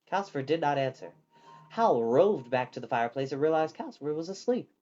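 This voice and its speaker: A storyteller reading a children's book aloud in an expressive, animated way, acting out the dialogue. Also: medium pitch, a little fast, dull audio, faint music behind.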